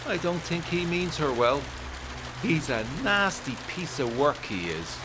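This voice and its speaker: A man's voice: on the high side, big pitch swings, a little slow, pitched above the performer's own voice. Man voicing blunt Irish local, raised voice in rain. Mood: scornful, indignant. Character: gruff, scornful local man, blunt troublemaker. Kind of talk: gothic 1920s audio drama dialogue. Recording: heavy rain noise behind.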